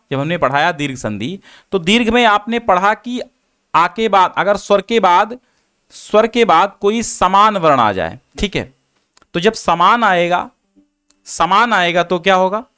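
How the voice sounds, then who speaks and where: A man's voice: high voice, a bit bright, clean tone. A young adult man teaching Hindi grammar, explaining rules step by step, repeating them and asking rhetorical questions. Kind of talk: classroom grammar lesson.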